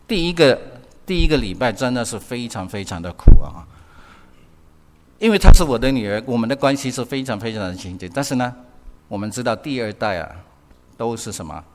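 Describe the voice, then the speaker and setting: A man's voice: mid-range voice, lively intonation, a little fast, big-room sound, noisy background. An older man preaching a sermon, often asking the congregation questions and repeating words for emphasis. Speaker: pastor.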